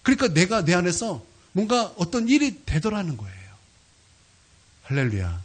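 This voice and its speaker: Husky, animated male preacher. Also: high voice, normal speed. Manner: animated storytelling with sudden loud peaks. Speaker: pastor. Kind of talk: sermon. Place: church sanctuary.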